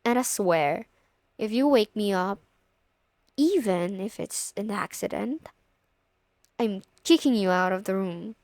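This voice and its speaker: Casting: actress as a friend's bossy older sister, young, teasing and coy, unhurried delivery, close dry sound for ASMR roleplay. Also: female voice, medium pitch, a little mellow, dry recording. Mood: tired, insistent. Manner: casual, teasing, coy, lightly exasperated. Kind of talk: intimate ASMR audio roleplay.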